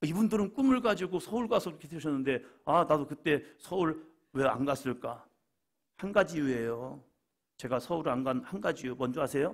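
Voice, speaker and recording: With a plain, everyday voice, a man speaks at a moderate pace, his fairly high pitch carrying lively intonation. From South Korea, Chungcheong (Nonsan). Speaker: pastor. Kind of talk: sermon. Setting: church.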